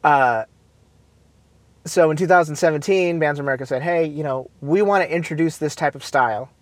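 A man hosting a casual talk show, chatty and upbeat, with many fillers, restarts and quick asides. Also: on the high side, no echo. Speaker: host. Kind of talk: casual chat about marching bands.

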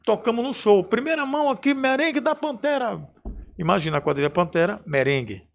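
A man's voice: sits high, a little fast, creaky. A man, a band musician telling stories in a casual, slangy chat. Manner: animated storyteller, informal slang.

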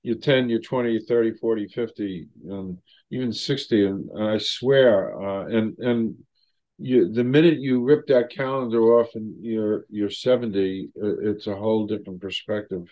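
A man in his seventies hosting an interview, speaking reflectively and haltingly with many fillers. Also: on the low side, lo-fi sound. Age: 70s. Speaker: host. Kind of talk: interview conversation.

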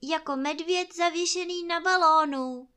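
A woman reading a storybook, voicing a kind, patient young boy who answers in plain, short, calm replies. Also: extremely high pitch, pitched above the performer's own voice.

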